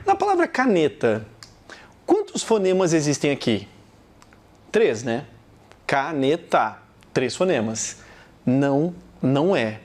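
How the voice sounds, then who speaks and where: Man, Brazilian Portuguese accent, teacher, video lesson, very expressive pitch, addresses the viewer. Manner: animated, talks straight to the viewer, repeats example words slowly.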